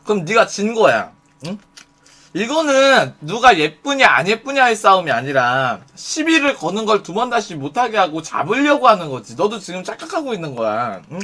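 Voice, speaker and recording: A bright, high-pitched man talks casually on a live stream and gives blunt advice. He swears freely and keeps acting out the lines he suggests, so his pitch jumps around all the time. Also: big pitch swings, normal speed.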